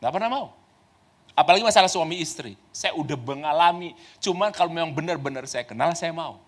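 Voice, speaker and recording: Animated high-voiced pastor preaching. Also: male voice, brisk. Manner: animated, swings between loud exclamations and soft asides, laughs often. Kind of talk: lively sermon with storytelling. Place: church.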